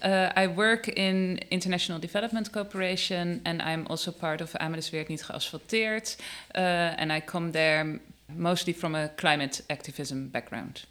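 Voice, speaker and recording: Dutch-accented woman, 40s, activist guest, bright forceful tone. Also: lowish voice, steady tone, moderate pace. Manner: earnest, with fillers. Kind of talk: conversational explanation.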